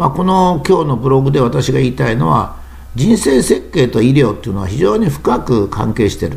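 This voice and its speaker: Very wide pitch swings at a moderate pace. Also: man, medium pitch for a man. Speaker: commentator, lecturer. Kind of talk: spoken monologue commentary. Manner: frequent filler hesitations (えー).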